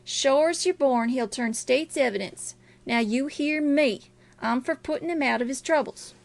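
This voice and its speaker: Casting: murderous river gang man played by a female reader, rustic dialect, blunt, high voice, audiobook story. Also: measured pace, creaky. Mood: menacing.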